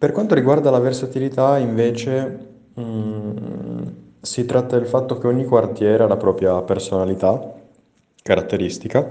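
A man's dark, mellow tone carries his words at a moderate pace. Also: medium pitch for a man, ordinary pitch variation. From northern Italy. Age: young. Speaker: engineering student. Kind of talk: casual chat. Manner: halting.

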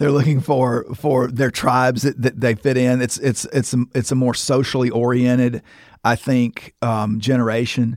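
A man with a Mississippi accent at a medium pitch and fairly slow pace, on a very clean recording with a silent background. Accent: US Southern (Mississippi). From Mississippi (Tupelo). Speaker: marketing firm president. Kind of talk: interview.

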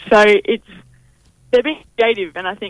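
Her Australian accent comes with ordinary pitch variation. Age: young. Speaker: football player. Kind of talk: casual chat. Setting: phone call. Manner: animated.

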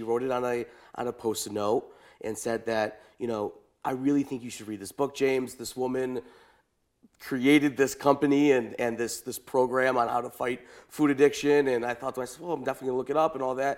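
Heard on a very clean recording with a silent background, a man speaks in an ordinary speaking voice at medium pitch and a moderate pace, with fairly even intonation and big swings in loudness. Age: 20s. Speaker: guest sharing weight-loss and recovery story. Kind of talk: casual interview. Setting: living room couch.

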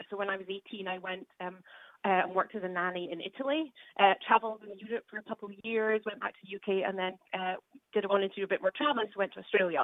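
With a Scottish accent, a woman talks at a very fast pace and a medium pitch. Her pitch variation is ordinary, with big swings in loudness. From Scotland, Aberdeen (North East). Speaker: art historian and exhibition curator. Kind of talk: interview. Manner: hesitant, many fillers.

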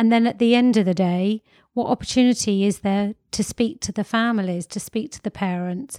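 A woman with an ordinary speaking voice talks at a moderate pace, her pitch fairly high. The sound is dry and close with no echo, in a very clean recording with a silent background. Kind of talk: interview. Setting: home studio in a shed.

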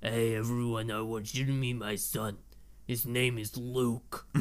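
A man puts on a gravelly character voice at a medium pitch. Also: moderate pace.

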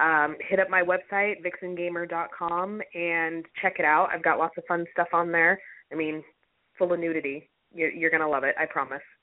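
At a moderate pace, a woman speaks with a fairly low pitch and monotone, flat intonation. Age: 30s. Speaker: adult model and gamer. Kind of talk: casual chat.

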